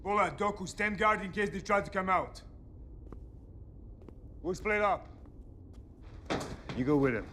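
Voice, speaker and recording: A man's voice: high-pitched, lively intonation, unhurried, long pauses, bright, forceful tone, slight background noise, exaggerated voice. An actor playing a cold, ruthless male hijacker leader who gives curt orders in a film. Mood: commanding. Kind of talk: film acting. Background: music score.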